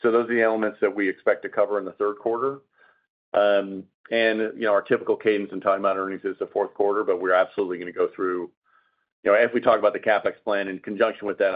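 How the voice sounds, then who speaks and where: A man speaking as a company executive on an earnings call, explaining answers in a measured, businesslike way. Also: lowish voice, steady tone. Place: conference call. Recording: narrow phone-line conference call audio.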